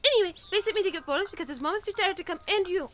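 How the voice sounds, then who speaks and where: Woman acting very high-voiced, chatty young princess. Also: rapid-fire. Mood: excited, coaxing. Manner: rambling, emphatic, stammering. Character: young princess, chatty, earnest, coaxing her sibling. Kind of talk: fiction podcast acting.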